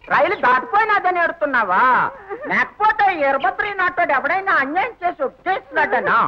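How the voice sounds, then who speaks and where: An actor playing a nosy, joking railway platform worker in a comic film scene. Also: male voice, very high-pitched, very animated, a little fast, heavily acted. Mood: mocking. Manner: nosy and mocking. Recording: lo-fi old film soundtrack.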